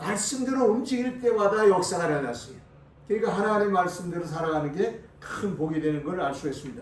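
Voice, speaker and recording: Over noticeable background noise and audible room echo, a man speaks at a fairly quick pace in a high pitch. His intonation is lively. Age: 70s. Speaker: pastor. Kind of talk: sermon. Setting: church.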